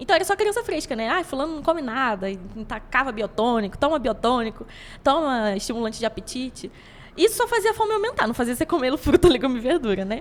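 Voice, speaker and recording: A woman with a Rio de Janeiro accent talks at a very fast pace. Her voice is high, with very wide pitch swings. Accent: Rio de Janeiro (carioca). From Rio de Janeiro state, Brazil (São Gonçalo). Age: 20s. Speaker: pediatric nutritionist. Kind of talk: podcast interview.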